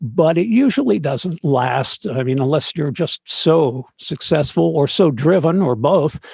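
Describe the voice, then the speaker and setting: A man with a northeastern US accent speaks at a fairly slow pace, his fairly high pitch carried by lively intonation. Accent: American, northeastern. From US Northeast, Rust Belt. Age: 70s. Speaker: radio and voice-over veteran, podcast host. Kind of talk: interview conversation. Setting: podcast interview.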